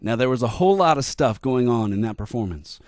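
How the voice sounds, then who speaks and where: A man's voice: medium pitch, animated, fast, darkish tone, no echo. A man giving upbeat, scripted voice-over narration introducing piano lesson clips. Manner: upbeat, promotional.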